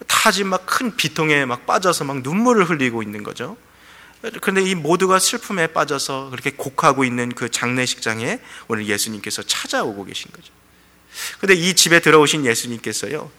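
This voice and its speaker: A man preaching from a church pulpit in a bright, forceful voice. He tells the story in lively sermon style, often pausing on fillers. His voice rings with the long reverb of the sanctuary. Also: fairly high pitch. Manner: storytelling preaching with frequent fillers and shifting emphasis. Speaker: pastor.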